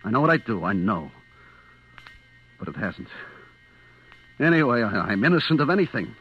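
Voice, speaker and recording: A man's voice: medium pitch, big pitch swings, a little hiss or hum, lightly acted. Man acting a frantic, unravelling trapped clerk, old radio. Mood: despairing, rambling. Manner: breathless, halting, stammering narration with repetitions. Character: desperate, unravelling supermarket clerk trapped in the dark, confessing. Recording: muffled vintage radio recording with music.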